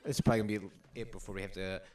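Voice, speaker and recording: A man's voice: on the low side, fairly even intonation, very fast. A man co-hosting a video game let's play, talking casually in a rambling, stop-start way full of fillers. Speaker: co-host of a gaming let's play. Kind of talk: casual chat while playing a video game.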